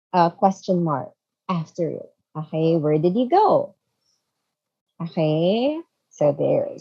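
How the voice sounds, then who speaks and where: A woman's voice: on the low side, muffled recording. A woman teaching an online English grammar lesson, patient, often checking in with "okay" and "so there.". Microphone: video call.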